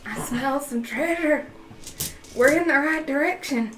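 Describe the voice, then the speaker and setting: A woman's voice: sits high, a little slow. Playful woman with a put-on Southern drawl. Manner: playful, blunt, swears and jokes. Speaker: player. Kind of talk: casual tabletop play. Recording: echoey room with faint noise.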